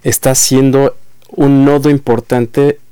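A man's voice: mid-range voice, little pitch movement, takes it slowly, dark tone, smooth, no echo, clean studio sound. A man hosting a community program, speaking effusively and often repeating words as he searches for the next one. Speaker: host.

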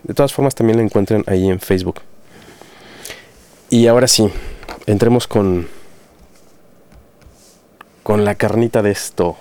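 Smooth-voiced male radio host. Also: fairly low pitch, a little slow, pauses often, warm tone. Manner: friendly, chatty, announces events with many fillers and restarts. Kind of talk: casual community radio chat.

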